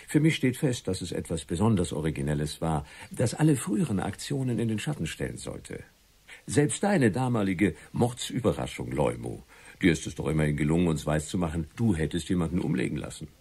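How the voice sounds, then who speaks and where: A confident crime writer in a radio drama. The voice is low and husky, with lively swings of pitch. He sets out his theories in a deliberate, theatrical way. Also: exaggerated voice. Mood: assured, explanatory. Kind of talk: German radio play acting.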